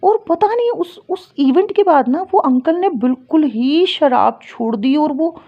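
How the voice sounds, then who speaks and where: A woman's voice: high voice, a little slow. A woman, a spiritual healer and astrologer, giving casual advice and telling stories with rising energy. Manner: explains plainly, rises into lively storytelling. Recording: dull lo-fi recording.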